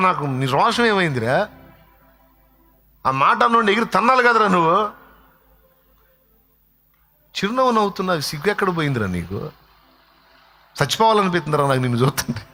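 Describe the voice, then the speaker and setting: A man preaching, acting out a scornful male relative who taunts and scolds a believer, his voice climbing high as he jeers. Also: moderate pace, pauses often, soft background music, natural voice. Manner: taunting, scolding, rising to shouts.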